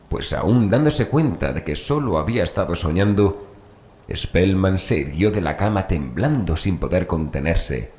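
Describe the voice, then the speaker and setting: Male horror audiobook narrator, low register, measured and dramatic, echoey sound with faint noise. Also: darkish tone. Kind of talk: scripted horror story narration. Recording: roomy echo, faint background noise.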